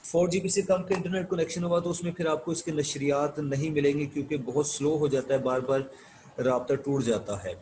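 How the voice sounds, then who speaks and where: A man teaching a university class, reading English example sentences slowly and deliberately, then explaining them. His voice sits fairly high for a man. A faint hiss of background noise runs under the recording. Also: darkish tone, poor audio. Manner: switches between English reading and explanation, asks "ٹھیک ہے؟". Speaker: lecturer. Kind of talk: university lecture.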